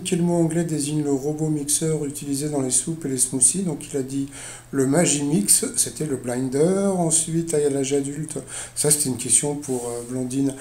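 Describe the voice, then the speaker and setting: A man talks through a recap in a loose, rambling way, stopping and restarting and filling gaps with hesitations. His voice sits a little high but sounds dark and mellow. The room around him gives a clear echo. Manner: rambling, with many fillers and restarts, chatty asides. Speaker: video blogger recapping a TV quiz show. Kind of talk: casual spoken recap.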